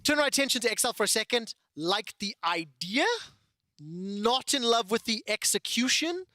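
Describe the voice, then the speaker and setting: Esports play-by-play caster, bright edge, energetic live commentary. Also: mid-range voice, no room sound, studio quality. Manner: excited, rapid hype calls rising into analytical chat.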